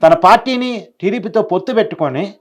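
A man gives political analysis at a very quick pace in a fairly high-pitched voice. He talks emphatically, repeating key phrases and posing rhetorical questions as he explains. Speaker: political editor giving analysis. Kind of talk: live news discussion, unscripted explanation.

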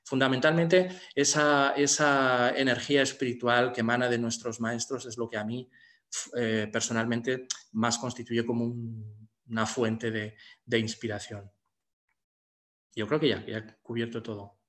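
Middle-aged Spanish monk, medium-pitched. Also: male voice, level tone, measured pace, fairly bright tone. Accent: Spanish from Spain. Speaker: Buddhist monk speaking on a panel. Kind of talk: reflective informal talk. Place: room indoors. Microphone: computer mic on video call.

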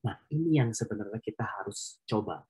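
A man's voice: lowish voice, expressive, brisk, mellow, rough recording. A man preaching conversationally at an online prayer meeting, slipping English phrases into his talk. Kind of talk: casual sermon.

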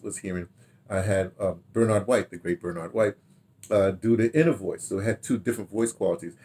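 An older American man speaks in a fairly low voice. He reminisces informally to camera, rambling and halting, often repeating a word before moving on. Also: a little mellow, husky. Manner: rambling, halting delivery, repeating words, checking notes aloud. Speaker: radio drama producer recalling past productions. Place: small book-lined room at home, indoors.

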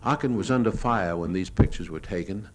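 A low-pitched American man talks through his old home movies in a matter-of-fact, unscripted way. He reminisces hesitantly, like a cameraman explaining his shots. The old live recording has light background noise. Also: a little fast. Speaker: newsreel cameraman.

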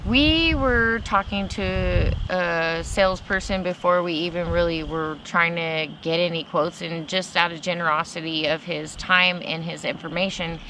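This young woman, a homesteading vlogger, has a fairly low voice and speaks a little slowly, barely pausing. Sitting in a camp chair in a sunny yard, she chats upbeat and casual, finishing her partner's sentences; a camera a few meters off records noisy outdoor sound.

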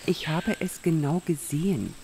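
A woman's voice: sits low, lively intonation, measured pace, mellow, slight background noise, poor audio. A woman playing a genteel, indulgent royal mother in an audio drama, with theatrical delivery. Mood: scolding. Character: doting royal mother, genteel maharaja's wife.

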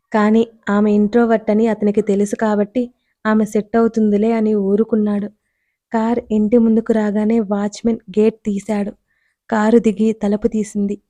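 A woman storyteller reading a romance audiobook in a steady, scripted narration on a close mic. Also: medium pitch, no room sound.

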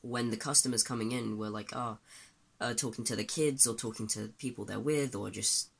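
A man's voice: on the low side, fairly even intonation, normal speed, vocal fry, breathy edge. A trans man in his late teens rambling candidly in a casual vlog, recorded on a phone held at arm's length in a small bedroom. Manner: candid, rambling, many fillers and restarts. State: groggy, just woken up. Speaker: vlogger. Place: small bedroom, then a desk in a bedroom, indoors. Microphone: phone or webcam at arm's length.

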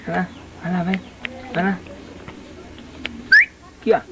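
A man's voice: sits high, completely flat delivery, takes it slowly, very noisy. A Brazilian man chatting casually while filming outdoors on a camcorder, heard on old worn home-video tape. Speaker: amateur camera operator filming family. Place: outdoors in a rural yard. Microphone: camcorder microphone.

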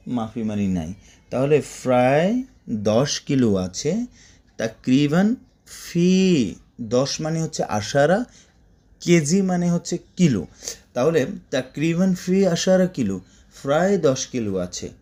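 Male language tutor, native Bengali speaker, drilling Arabic words with a warm, animated delivery. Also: a little high. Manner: repetitive, drilling words, chatty asides. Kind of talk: spoken Arabic lesson for Bangla speakers.

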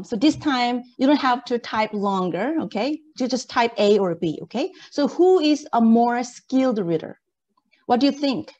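A woman's voice: fairly high pitch, a little mellow, dull audio. A middle-aged woman giving an interactive online lecture, encouraging her students and often checking that they follow. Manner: encouraging, checks understanding often with short tag questions. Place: indoors, on a video call.

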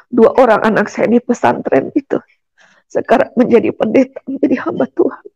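A middle-aged woman from Indonesia tells her life story as a church testimony. She speaks earnestly and often turns to her listeners directly, and her voice has a gravelly edge. The sound is dry and close. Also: fairly high pitch, steady tone, fairly quick, warm tone, no echo, muffled recording. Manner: earnest, keeps addressing listeners as brothers and sisters. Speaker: guest giving a testimony.

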